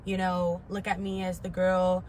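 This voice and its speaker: Female vlogger, twenties, lower register, candid and emphatic personal talk with little pitch movement. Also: completely flat delivery, a little slow, darkish tone, slight background noise. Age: 20s.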